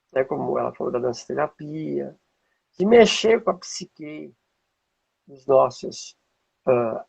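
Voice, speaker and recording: A Brazilian man with a husky, gravelly voice, teaching informally and checking in with rhetorical questions, as a music teacher would. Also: mid-range voice, rough recording. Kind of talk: informal explanatory talk with demonstrations.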